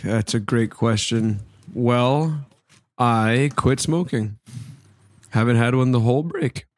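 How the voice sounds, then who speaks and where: A hoarse man co-hosting a comedy podcast, rambling off on tangents full of fillers. His voice sits in a middle range. The recording is dry and close. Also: medium pitch, slow pace, a little mellow, no echo. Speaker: comedian co-host. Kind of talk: casual comedic banter.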